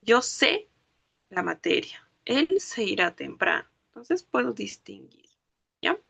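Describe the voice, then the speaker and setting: Slow, bright-voiced woman teacher, gravelly. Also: a little high, sing-song, no echo, muffled recording. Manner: explains slowly, checks understanding with "¿ok?" and "¿no ve?". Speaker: language teacher. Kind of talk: classroom lecture.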